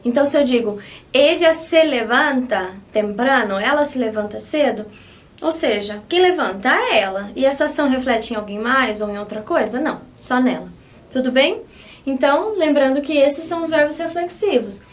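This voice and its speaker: A woman's voice: high-pitched, expressive, moderate pace, recorded from a distance. A Brazilian woman with a Brazilian Portuguese accent, teaching a Spanish lesson in a patient way and checking in often with her students. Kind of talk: online language lesson.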